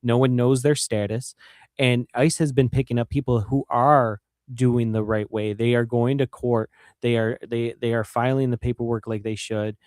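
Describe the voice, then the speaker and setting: A man's voice: medium pitch, steady tone, normal speed, a little mellow, no room sound. Earnest man with a Michigan accent. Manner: earnest, repeats words when stressing a point. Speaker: guest. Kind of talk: earnest conversational interview.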